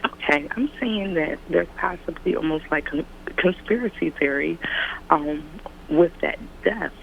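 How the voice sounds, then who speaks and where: A man phones in to a talk program and works through his point in a rambling, halting way. His voice has a heavy gravelly fry and sits a bit high for a man. The line is dull and lo-fi, with faint noise behind him. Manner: rambling, hesitant, full of ums. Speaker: caller. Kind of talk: phone-in call.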